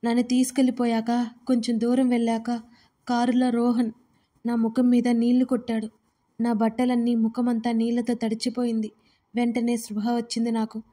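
A woman voicing a distressed young woman who speaks softly and haltingly, close to tears. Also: on the high side, monotone, lightly acted. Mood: tearful. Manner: soft, halting, tearful.

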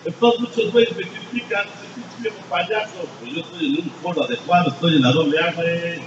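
A high-voiced older man with a Mexican accent speaks bluntly and profanely to a recovery group, swinging between low murmurs and shouts. He is heard from a distance in a roomy, echoing space. The recording is dull and noisy. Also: expressive, fast talker. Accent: Mexican Spanish. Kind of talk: blunt, profane confessional testimony. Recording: distant, echoey, dull-sounding room recording with noise.

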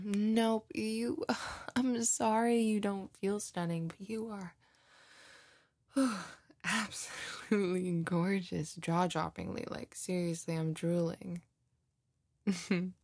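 Girl acting as a sweet doting girlfriend for asmr roleplay, soft husky breathy woman, takes her time, really close and dry. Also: lowish voice, no room sound. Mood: adoring. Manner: cooing, gushing, breathy, often giggling. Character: doting, lovey girlfriend, tenderly comforting her partner. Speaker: roleplay audio performer.

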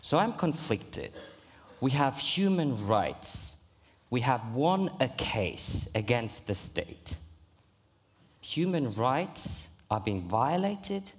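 A young Sami man speaking on a stage panel in a slow, deliberate way. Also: mid-range voice. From Sami region. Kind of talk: panel discussion. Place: large stage hall. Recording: long hall reverb.

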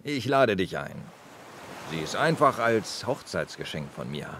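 An actor playing a weary but tender police inspector in a radio crime drama, speaking calmly and gently. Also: male voice, sits low, measured pace, background noise, heavily acted. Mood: warm. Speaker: inspector Anton Jäger.

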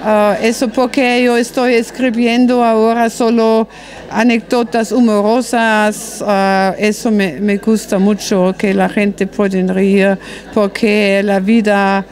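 German-accented woman, slow and halting. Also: mid-range voice, little pitch movement, a little mellow. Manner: halting, searching for words, frequent restarts. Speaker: author. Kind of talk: interview at a book presentation. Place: busy restaurant dining room, indoors. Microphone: handheld interview mic.

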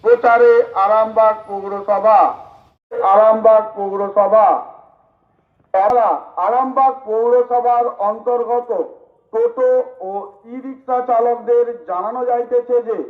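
A man's voice: very high-pitched, level tone, slow, long pauses. A man reading a formal scripted public announcement in a PA system manner. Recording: echoey, slightly muffled PA recording.

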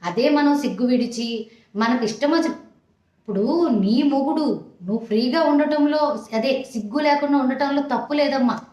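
A woman's voice: high-pitched, normal speed, a little mellow, lo-fi sound. A woman giving frank relationship advice to young wives in a motherly way, often checking that listeners understand. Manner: motherly, addresses listeners as "amma". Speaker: advice channel host. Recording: echoey room.

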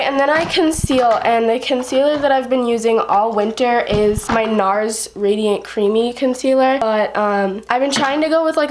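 A woman's voice: a little high, a little mellow, slight background noise. A teenage girl chatting casually to a close camera mic in her bedroom, rambling with lots of filler "like"s while sick with a cold and sore throat. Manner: rambling, heavy use of "like". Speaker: vlogger. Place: bedroom indoors. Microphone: camera mic close in front of speaker.

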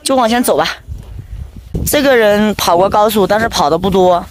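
A woman, a motorcycle travel vlogger talking in a plain, chatty way, recorded outdoors at a highway rest stop. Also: normal speed, a little hiss or hum. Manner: plain-spoken, teasing and chatty. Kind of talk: casual vlog narration.

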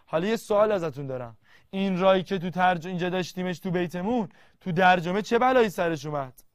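A man teaching a literature grammar lesson, quizzing the class and reading verses slowly word by word. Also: sits high, dry recording, studio quality. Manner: lively, quizzing students and answering himself.

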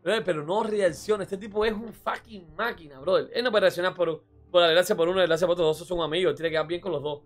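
Streamer, male, high-pitched, chatty and repetitive, light music bed. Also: quick pace, hardly any pauses. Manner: excitable, repeats phrases, says "bro" often. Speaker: reaction streamer. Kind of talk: casual reaction commentary.

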